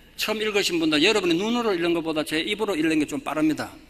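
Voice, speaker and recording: A man speaks very fast in a high voice with ordinary pitch variation over noticeable background noise. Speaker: pastor. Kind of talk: sermon.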